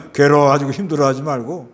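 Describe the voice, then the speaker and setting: A man's voice: fairly high pitch, steady tone, moderate pace. A male pastor with a Busan Gyeongsang accent, preaching a sermon in a conversational way, asking his listeners questions and acting out the people in the story. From South Korea. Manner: conversational preaching with rhetorical questions and acted-out voices.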